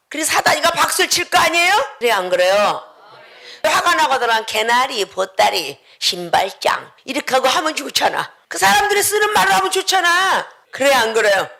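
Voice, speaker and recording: A woman pastor giving a dramatic sermon, often shouting and acting out voices. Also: high-pitched. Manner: dramatic, acts out quoted voices, frequent shouting.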